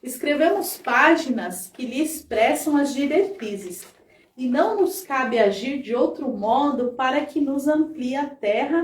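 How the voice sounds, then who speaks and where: At a spiritist center, a woman with a slightly high voice chats with her audience, constantly tossing out tag questions to check they're following. The mic is distant and the recording sounds roomy.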